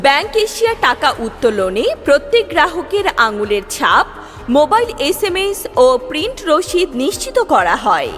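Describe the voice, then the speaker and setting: A woman reading a street loudspeaker advertisement in a lively, declamatory announcing manner. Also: high-pitched, normal speed. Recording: long reverb with music bed. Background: music.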